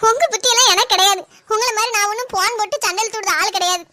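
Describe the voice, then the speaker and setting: A woman voices a young daughter-in-law who quickly argues back in an indignant tone. Her voice is very high and bright, and she talks fast. It is a comic family skit.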